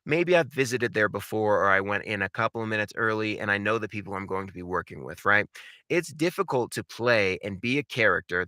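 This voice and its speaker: Man, very bright forceful voice, lively swooping pitch, dry close sound, emphatic coaching style. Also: no echo. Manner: emphatic, theatrical, repeats key words for stress; conversational, informal asides. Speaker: voice acting coach. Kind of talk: instructional talk with numbered tips.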